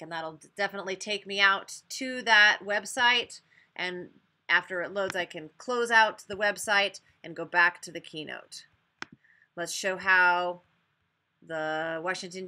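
An American woman teacher giving a spoken software tutorial for a webinar, explaining step by step. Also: medium pitch. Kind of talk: spoken software tutorial over screen demonstration.

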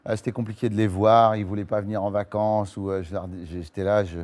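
A man in his forties, a guest on a TV interview, talking casually and haltingly as he restarts his phrases. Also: on the low side, flat delivery, darkish tone. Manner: halting, restarts phrases, acts out little quotes. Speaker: talk show guest. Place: TV studio.

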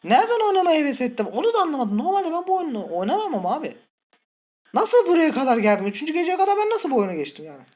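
A man's voice: extremely high pitch, wildly swooping pitch, fast. Jumpy man narrating a horror game. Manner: jittery, scared, muttering and cursing at the game; talks directly to viewers. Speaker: gaming channel host. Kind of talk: let's play commentary.

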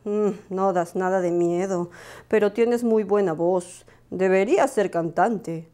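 A blunt film director from a storybook, played by a woman. Lower and quieter than the rest, slow and matter-of-fact. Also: lightly acted. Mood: dry.

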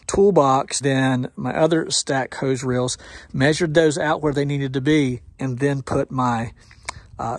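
A man's voice: medium pitch, no echo. A middle-aged man, a pressure washing business owner, giving a casual, folksy walkthrough of his work trailer outdoors in a driveway, recorded on a body-worn camera. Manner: folksy, explanatory, with fillers. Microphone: action camera worn on the body.

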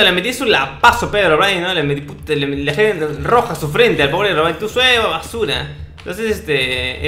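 Faint background noise and a roomy sound surround a young Peruvian-accented man casually narrating his Minecraft play. He has a fairly high pitch and a sharp tone, and he talks with mock-boastful swagger.

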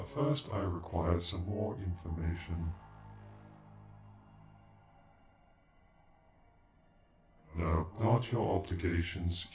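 A man's voice: low voice, darkish tone. A man playing an ancient alien android in a sci-fi ASMR roleplay, speaking in formal, stilted, condescending phrases with glitchy robotic stutters. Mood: cold, probing. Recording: echoing, with music behind.

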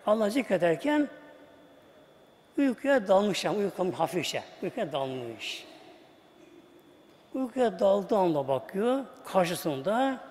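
High-voiced man preaching in an echoey hall. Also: big pitch swings, slow pace, long pauses, a little mellow. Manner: tells a moral tale, acting out dialogue with emotional swings. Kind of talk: sermon storytelling. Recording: echoey hall with long reverb.

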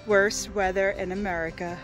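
A young woman in her twenties vlogging on a hike, filming herself at arm's length outdoors and chatting to her dog in a high sing-song voice. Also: steady tone, normal speed, soft background music. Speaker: hiking vlogger. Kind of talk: casual vlog with voice-over narration. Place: outdoors on a windy mountain trail. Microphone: camera held at arm's length.

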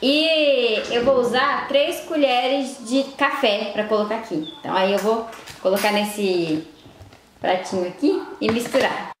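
A woman's voice: on the high side, a little slow, slight background noise. Chatty young woman vlogger, echoey room. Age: young adult. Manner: chatty, addresses viewers directly. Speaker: beauty vlogger. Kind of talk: casual tutorial vlog. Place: room indoors, later a tiled kitchen.

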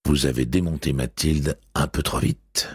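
A man's voice: very deep voice, steady tone, normal speed, slightly rough, no echo, clean studio sound, heavily acted. A man voicing a sardonic, cold-smiling blind man who grumbles curtly in an audiobook.

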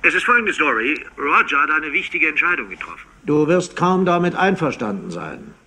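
A businesslike husband on a car phone in a radio play. His patronising voice swings up and down in pitch and comes through bright and sharp with the telephone filter. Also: big pitch swings, brisk, vocal fry, heavily acted. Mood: urgent, smooth. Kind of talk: German crime radio play acting.

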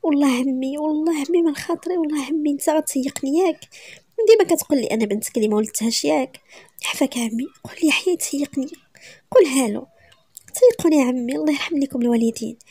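A woman's voice: high voice, very fast, dark tone, dry recording, clean studio sound, voice pushed up. A woman voicing a distraught young woman who pleads tearfully and urgently to be believed. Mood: desperate pleading. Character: distraught young woman returned from presumed death.

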